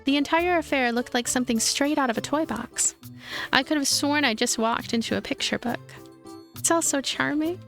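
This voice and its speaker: A woman's voice: sits high, fairly quick, soft background music. A woman streamer reading a visual novel aloud as narration, with casual asides. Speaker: let's play streamer.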